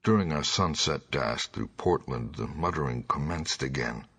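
A man with a gravelly, raspy voice giving a measured, grave reading of gothic horror as an audiobook narrator. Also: a bass voice, lively intonation, fairly bright tone.

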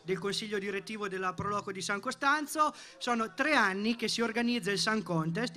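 A man's voice: high-pitched, pushed and bright. A man, presenting live from a festival stage. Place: outdoor festival stage at night. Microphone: microphone on a stand.

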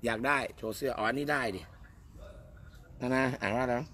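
A man's voice: mid-range voice, fairly quick, fairly bright tone. A man who sits in parliament, chatting casually on a live stream and answering viewer comments in a teasing, repetitive way with lots of polite particles. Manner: chatty, teasing, repeats himself, ends lines with polite particles. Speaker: member of parliament.

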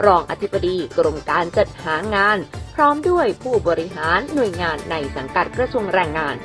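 A woman's voice: mid-range voice, big pitch swings, fairly quick. Newsreading woman over faint music. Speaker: news presenter. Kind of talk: scripted news narration.

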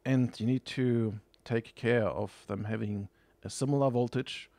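A man's voice: medium pitch, steady tone, measured pace, vocal fry, dark tone, no echo. A man narrating a hands-on technical tutorial in a methodical, explanatory, matter-of-fact manner. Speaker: tutorial presenter.

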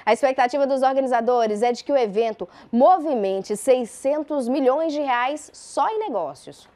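A woman's voice: sits high, normal speed, mellow. A woman in her thirties with a Brazilian accent presenting scripted news in a TV studio.

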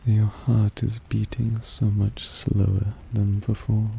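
A man playing a possessive, softly dominant vampire in an intimate ASMR roleplay, breathy and often half-whispered, teasing and coaxing. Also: fairly low pitch, flat delivery, takes it slowly, a little hiss or hum. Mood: teasing, doting. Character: possessive, softly dominant male vampire doting on his pet.

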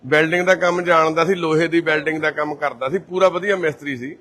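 A man from Punjab, India, the volunteer host of a care society, walking through a care centre and gently reassuring patients and their families. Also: fairly high pitch, fairly even intonation, a little fast. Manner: gentle and reassuring, calls people mother and brother. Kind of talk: casual on-camera walkthrough talk.

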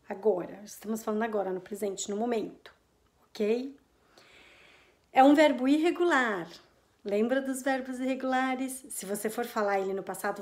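A woman's voice: a little high, a little mellow. A Brazilian woman teaching English in a casual online lesson, checking in often with her students and drawing out her English example phrases. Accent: Brazilian Portuguese. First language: Portuguese. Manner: chatty, checks in often with "ok?" and "combinado?".

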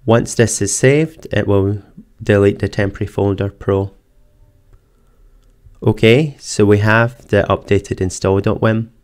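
A man narrating a screen-recorded computer tutorial, calmly explaining each step in order. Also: on the low side, a little slow. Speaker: tech tutorial presenter. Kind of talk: screen-recorded software walkthrough. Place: voice-over for screen capture.

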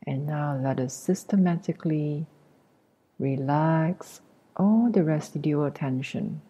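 A woman leading a guided meditation as a teacher, speaking gently with long pauses in a soft, breathy voice that nears a whisper. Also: deep voice. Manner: gentle, unhurried, long pauses between short phrases.

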